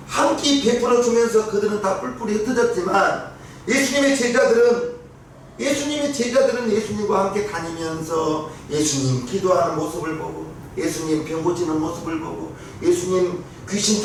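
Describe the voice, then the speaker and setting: A high-voiced man preaching in a church. He rises to loud peaks, drops to near murmurs and keeps asking the congregation questions. The sound comes from across a very echoey hall with a faint hiss underneath. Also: recorded from a distance. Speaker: pastor. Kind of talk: sermon. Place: church sanctuary.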